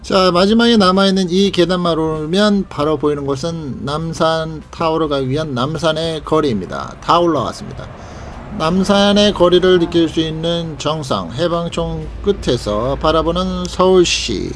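A man's voice: on the high side, slight background noise. Man narrating a leisurely street tour. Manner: leisurely guide-like, pointing things out. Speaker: vlog host.

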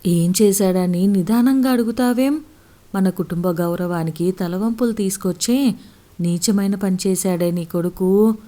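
A woman voicing a stern, proud middle-aged village father who scolds and shouts in fury. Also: mid-range voice, measured pace, close to an everyday voice. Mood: furious.

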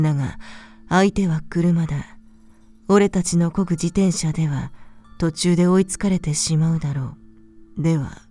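Low, mellow woman narrating a ghost story.

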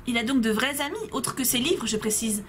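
A woman's voice: fairly high pitch, expressive, fairly quick, faint music behind. A young woman playing a story game, reading the dialogue aloud in her own voice and chatting to viewers between scenes. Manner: playful, reads all characters in her own voice, asides to viewers. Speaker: game let's player.

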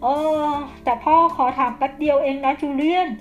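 A woman's voice: high voice, fairly even intonation, a little fast, muffled recording, soft background music, close to an everyday voice. A woman voicing a toy father who keeps coaxing his son to stay and play. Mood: insistent. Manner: insistent, coaxing.

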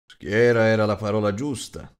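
A man voicing a gruff, rude, huge shape-changer who growls and talks bluntly. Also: fairly low pitch, level tone, normal speed, natural voice.

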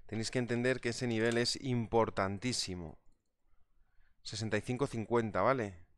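Chatty man, smooth low voice. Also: fairly even intonation, normal speed, no room sound, clean studio sound. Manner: chatty, reads out viewer comments. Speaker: trading instructor. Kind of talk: live market analysis webinar.

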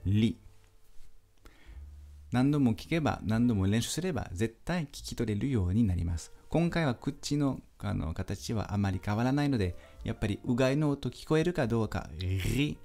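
A man teaching a pronunciation lesson, speaking slowly and patiently and repeating sounds for the listener to pick out. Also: on the low side, vocal fry, mellow. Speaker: French teacher. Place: language school.

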